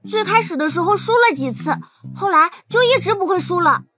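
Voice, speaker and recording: A performer playing an excited, friendly little boy in an audio drama. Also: very high-pitched, fairly quick, soft background music, heavily acted.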